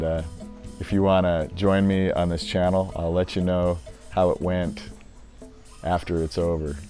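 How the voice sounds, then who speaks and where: An older man, recently retired, talking casually to camera in a rambling, easygoing way with many fillers. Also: sits low. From United States. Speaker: vlogger.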